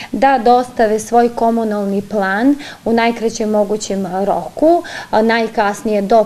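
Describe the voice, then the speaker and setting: Over light background noise, the speaker keeps a moderate pace and ordinary pitch variation. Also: woman. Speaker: city council spokesperson. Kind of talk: press statement. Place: office. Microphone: handheld.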